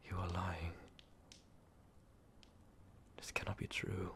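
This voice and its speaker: Exaggerating his vampire overlord, the man sounds anguished and disbelieving, his breathy, gravelly low whisper carrying a bright, forceful tone with little pitch movement. The ASMR roleplay is a slow, halting, formally worded confession to the listener, with slight background noise; the character is a lovestruck, remorseful conqueror.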